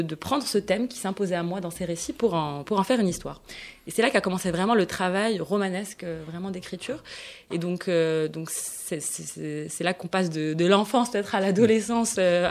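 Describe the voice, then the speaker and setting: Searching for her words, a thirties-aged novelist from Morocco responds haltingly to questions on a local radio program. She considers each answer with care, though she keeps restarting and filling pauses, in a medium-pitched voice.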